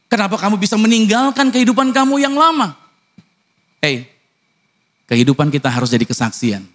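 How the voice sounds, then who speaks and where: A pastor preaching a sermon, mixing casual slang with formal lines and asking the congregation rhetorical questions. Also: male voice. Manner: swings from high excited lines to low earnest ones.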